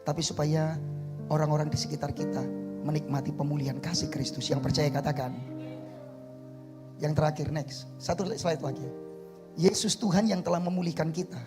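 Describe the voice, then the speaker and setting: A middle-aged male pastor with an East Javanese accent preaching an animated sermon in a church, swinging between soft asides and shouted peaks and calling for amens. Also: fairly high pitch. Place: church sanctuary.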